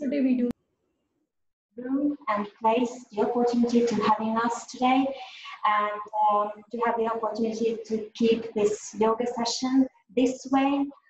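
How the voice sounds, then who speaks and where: A woman with a fairly high voice speaks at a fairly slow pace in a monotone, flat way. Light background noise and audible room echo are present. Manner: halting, with many fillers. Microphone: video call.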